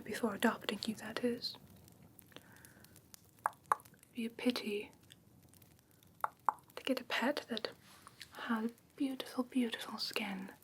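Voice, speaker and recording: A woman's voice: fairly high pitch, close to an everyday voice. Woman playing a whispering, haughty fae creature, noisy recording. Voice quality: soft breathy whisper. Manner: hesitant, musing, matter-of-fact, gently condescending. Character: haughty, curious fae woman inspecting a human pet. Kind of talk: whispered ASMR fantasy roleplay.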